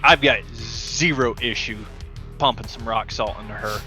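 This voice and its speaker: A man's voice: mid-range voice, moderate pace, sharp tone, soft background music. A man playing a tabletop game, casually speaking as his character.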